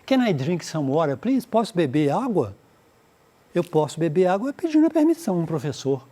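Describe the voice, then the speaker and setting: A man with a Brazilian accent teaching an English lesson for exam prep. He slows down to model English phrases, then translates and explains them, checking in with "né?" and "tá?". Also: on the high side, very animated, dark tone. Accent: Brazilian Portuguese. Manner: explanatory, repeats points with "né?" and "tá?".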